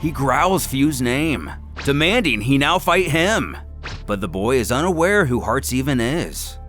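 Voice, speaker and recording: A man's voice: medium pitch, big pitch swings, unhurried, fairly bright tone, faint music behind. A man delivering dramatic scripted narration in a theatrical, emphatic way, as the narrator of a fan story recap.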